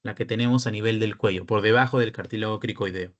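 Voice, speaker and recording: A man's voice: on the low side, steady tone, quick pace, lo-fi sound. A young man with a Peruvian Spanish accent, a peer tutor giving an online class lecture, explaining step by step and often checking in with the students.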